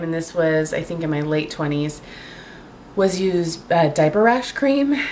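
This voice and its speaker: A woman vlogging casually to camera at home, chatty and full of fillers, her voice a little raspy from a cold. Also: lowish voice, a little hiss or hum. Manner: chatty, lots of fillers and likes. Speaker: beauty vlogger. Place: home, indoors.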